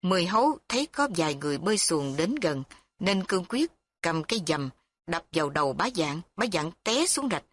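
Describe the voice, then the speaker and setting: A woman narrating a story with a steady, even reading. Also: fairly low pitch, fairly quick.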